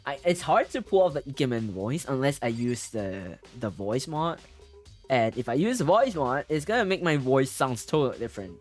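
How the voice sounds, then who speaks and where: While streaming a story game, a man reads its text aloud and chats with viewers, giggling often. His medium-pitched voice is very animated at a normal speed, with faint music behind him.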